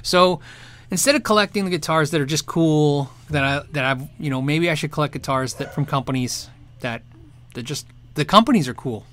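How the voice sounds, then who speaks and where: A man with a slightly high, somewhat bright voice talks briskly while hosting a guitar show. He chats loosely in a live setting, answering viewer questions, rambling, restarting sentences and laughing a lot.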